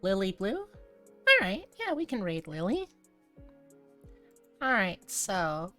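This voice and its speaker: A woman's voice: medium pitch, sing-song, slow, fairly bright tone. A woman hosting a livestream, chatting casually to her viewers in an informal, playful way with cutesy wording. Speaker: livestreamer, VTuber host. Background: background music.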